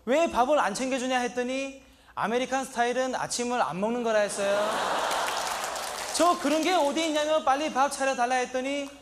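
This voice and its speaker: A strikingly high-voiced young migrant worker, naive and earnest with a Sri Lankan accent, delivers a plaintive comedy monologue in broken, simple Korean, fairly quickly. His short sentences give way to a shouted, indignant catchphrase. There's slight background noise.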